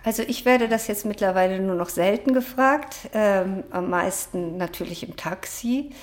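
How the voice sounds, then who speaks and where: A woman author answering interview questions in a measured, academic way, with frequent hesitation sounds. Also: mid-range voice. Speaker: author and social scientist, interview guest.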